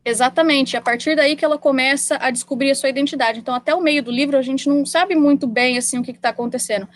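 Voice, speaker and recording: A young woman giving an academic literature talk in a measured way over a video call. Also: high voice, no echo. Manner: measured, reads quotations aloud. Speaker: presenter. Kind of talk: academic presentation.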